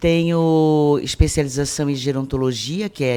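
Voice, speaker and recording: A woman's voice with a dark, mellow tone sits very deep and low, moving with ordinary pitch variation over a very clean recording with a silent background. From southern Brazil, Blumenau, Santa Catarina. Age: 60s. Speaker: mayoral candidate. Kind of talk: radio interview. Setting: radio studio.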